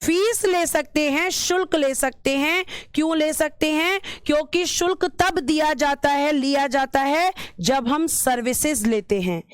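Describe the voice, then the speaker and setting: A woman's voice: sits high, unhurried, hardly any pauses, dry recording. A woman teacher giving an exam-prep lecture, repeating key terms and asking and answering her own questions, calling her students "beta".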